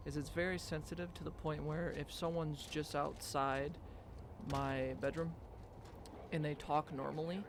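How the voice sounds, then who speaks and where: The speaker is soft-spoken. Long pauses come often. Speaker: gaming youtuber. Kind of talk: casual chat. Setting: bedroom home recording. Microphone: new sensitive microphone with reverb; mic placed far from face.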